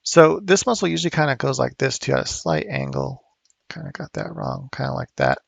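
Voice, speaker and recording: A male art instructor teaches digital sculpting from his home studio, chatting casually and thinking aloud with fillers while he works. He has a medium-pitched, creaky voice and speaks fairly quickly, recorded dry.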